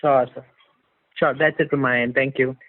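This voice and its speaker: A man's voice: mid-range voice, level tone, normal speed. A man asking questions as an analyst, polite and a little hesitant. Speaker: analyst caller. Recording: tinny narrowband phone line.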